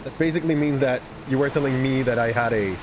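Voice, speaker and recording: A man's voice: medium pitch, quick pace, noisy background. A man from Quebec with a light Québécois accent, rambling chattily while commenting on his gameplay. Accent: Québécois French. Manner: chatty, rambling, often restarts words. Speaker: gaming streamer. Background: game music.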